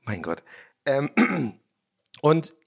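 A young man, slightly hoarse, hosting his own podcast from a room at home and ranting in a casual, swearing way. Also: fairly high pitch, wildly swooping pitch, drawn-out words. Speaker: podcast host. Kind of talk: casual solo podcast monologue. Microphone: own studio mic.

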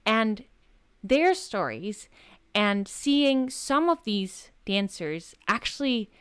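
A young Danish woman speaks as a podcast guest, effusive and chatty as she tells her story. Her voice is smooth and clear, recorded dry and close with little room sound. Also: medium pitch, sing-song, slow, no room sound. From Denmark. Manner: warm, effusive, storytelling with fillers. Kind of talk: casual interview chat.

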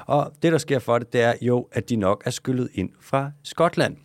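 A man's voice: medium pitch, lively intonation, dry recording. A man from Denmark co-hosting a podcast in loose, joking casual chat, swearing now and then. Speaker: podcast co-host.

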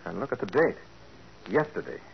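A calm, shrewd private detective in a 1940s radio drama. His voice sits low but moves a lot as he reasons things out steadily. The sound is a dull old broadcast with a faint hiss. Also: brisk, gravelly.

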